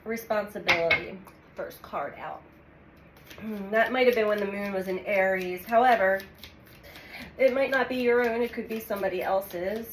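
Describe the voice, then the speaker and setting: A woman giving a weekly tarot reading in a calm, unhurried way, congested from a cold and pausing as she draws cards. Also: medium pitch. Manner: calm, unhurried, speaks with pauses while drawing cards. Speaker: tarot reader. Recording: echoey room with audible background noise.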